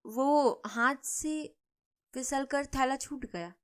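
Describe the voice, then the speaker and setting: A kindly older mother-in-law from an animated storybook, soft-spoken and a little worried, as a woman narrator puts her on. She pleads and defends herself gently rather than fighting back. The voice sits just above a usual woman's pitch. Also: slow pace. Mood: defensive.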